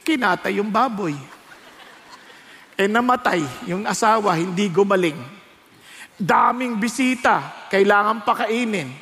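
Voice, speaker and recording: A man preaches an animated sermon in a very high, bright voice, drawing the congregation in with a story. His voice rings out with a long reverb in a large church hall. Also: measured pace, long pauses. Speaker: pastor.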